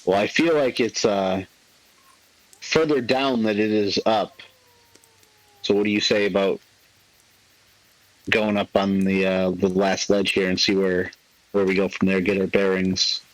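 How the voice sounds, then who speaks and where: A man's voice: low voice, fairly even intonation, unhurried, pauses often, no room sound, poor audio. A man playing in a tabletop game, easygoing and hesitant with fillers. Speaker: player. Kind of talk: casual tabletop game talk.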